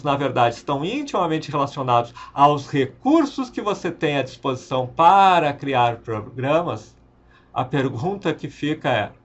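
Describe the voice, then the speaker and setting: A man teaching programming in an explanatory lecture, posing rhetorical questions and explaining step by step in an earnest way. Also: medium pitch. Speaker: programming instructor. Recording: dull lo-fi recording.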